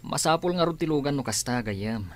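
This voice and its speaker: A man's voice: on the high side, expressive, fairly quick, close to an everyday voice. An actor playing Alex, a young man who is the groom's friend, in a radio drama.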